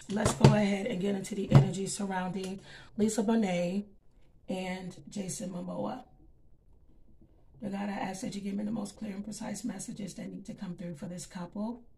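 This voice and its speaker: A woman with a scratchy voice talks through a tarot reading in a loose, chatty way, at a middle pitch. She leans on fillers and checks in with her listeners as she goes. A faint hiss sits under her voice. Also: darkish tone. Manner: chatty, frequent um and okay. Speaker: tarot reader. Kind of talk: casual tarot reading to camera.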